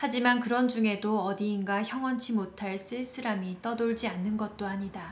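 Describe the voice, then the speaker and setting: Speaking at a moderate pace with hardly any pauses, a woman uses fairly even intonation at a fairly high pitch. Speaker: announcer. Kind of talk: audiobook reading of a literary short story. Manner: expressive.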